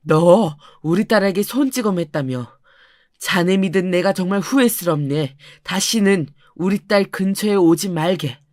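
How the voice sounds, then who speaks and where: Woman putting on a gruff stern father, lowered voice, commanding, dry sound. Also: unhurried, a little mellow, no room sound, natural voice. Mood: stern threatening.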